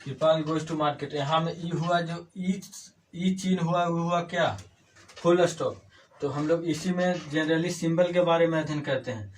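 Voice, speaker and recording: A man teaching a grammar class at a board, with a fairly high voice. He explains each point step by step and asks key words back to the class as questions. The recording is distant, with a faint hiss in the room. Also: fairly even intonation, unhurried. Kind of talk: classroom lecture.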